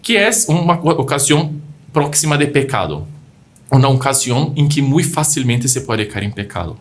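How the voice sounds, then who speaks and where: A man co-hosting a religious podcast, speaking a language that is not his first. His voice sits at a middle pitch. He explains things in plain examples and often breaks off a word to restart it as he hunts for the right phrasing. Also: lively intonation, moderate pace. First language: not Spanish. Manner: explains with examples and acted-out quotes, frequent restarts. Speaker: podcast co-host.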